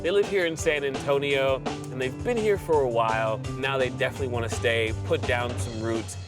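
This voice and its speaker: Male host, realtor, upbeat presenter, mid pitch, over music. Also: a little fast. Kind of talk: scripted narration and on-site chat. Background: background music.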